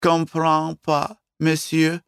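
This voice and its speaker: A man's voice: fairly high pitch, monotone, drawn-out words, creaky, fairly bright tone, clean tone, no room sound, studio quality, voice pushed up, full character voice. A man doing an eager young French waitress.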